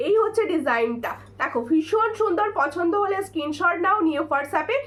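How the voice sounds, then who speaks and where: A hoarse woman runs a live-stream jewelry sale in a high, lively voice. She talks chattily and repeats her pitch over and over, thanking viewers by name and urging them to take screenshots. Her delivery swings up and down as she shows each piece. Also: normal speed.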